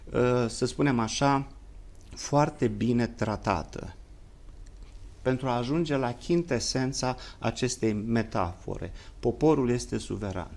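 A man with a Romanian accent appears as a guest commentator in a formal political discussion. He uses elaborate, lofty academic phrasing broken by long pauses, speaking at a medium pitch with vocal fry.

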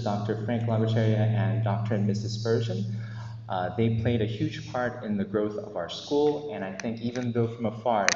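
A man's voice: mid-range voice, a little mellow, a little hiss or hum. A man in his thirties giving a commencement speech as a teacher at a podium mic in a large hall, hesitant and nervous with many ums. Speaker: commencement speaker, math teacher. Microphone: podium microphone. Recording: echoey hall, dull lo-fi sound.

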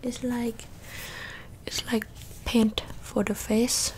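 A woman's voice: on the high side, flat delivery, takes it slowly, darkish tone, slight background noise. A young woman in a whispered role-play, voicing a blunt, boastful makeup doctor with a put-on Asian accent and broken English. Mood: focused, repetitive. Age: young adult. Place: small bedroom indoors. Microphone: close desktop microphone with foam cover.

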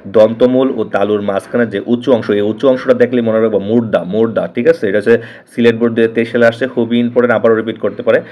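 A man with a Bangladeshi Bengali accent talks quickly through an exam-prep lesson. He speaks close to the mic, repeating each answer and urging students to remember it. His pitch is mid for a man. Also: fairly even intonation, warm tone, muffled recording. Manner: repeats answers and stresses importance, addresses students directly.

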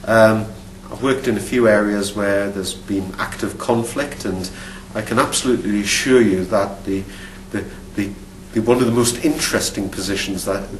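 Seated before a dark studio backdrop, a Geordie man in his fifties from Newcastle upon Tyne, England, an archaeology professor, thoughtfully fields interview questions to camera, frequently restarting and repeating words. He speaks at normal speed with a fairly low pitch. The distant mic gives a roomy sound with a faint hum.

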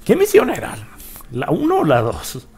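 A young man giving excitable let's play commentary, cursing and yelping at the game as he plays. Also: sits high, moderate pace, breathy edge. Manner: excitable, swears and yelps at the game. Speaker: gaming YouTuber.

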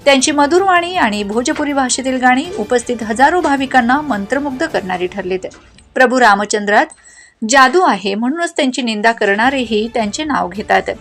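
A woman reading a scripted news voice-over in a formal, measured way. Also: fairly high pitch, animated, soft background music. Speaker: news reporter.

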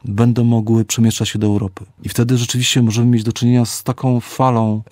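A middle-aged man, an author and psychologist, giving reflective, measured interview answers and slowing down to stress key words. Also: medium pitch, level tone, darkish tone, no room sound.

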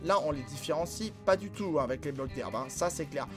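A man hosting a gaming channel, commenting casually and excitably on gameplay, filling his talk with voilà and hein. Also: fairly high pitch, a little fast. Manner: excitable, filler-heavy, frequent voilà and hein. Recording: game music clearly behind voice. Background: background music and in-game explosions.

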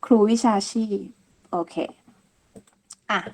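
A woman giving a patient counting lesson, repeating each word slowly and clearly and ending phrases politely. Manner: polite, ends phrases with soft particles. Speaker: language teacher. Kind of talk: slow step-by-step counting lesson.

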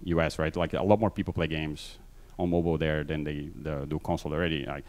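A middle-aged man from Brazil with a mixed Brazilian accent gives a casual conference talk on a stage with a handheld mic, quick and full of fillers. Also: very deep voice, level tone, darkish tone. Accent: Brazilian Portuguese mixed. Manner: fast, filler-heavy, self-deprecating. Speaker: conference speaker. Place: large conference hall stage.

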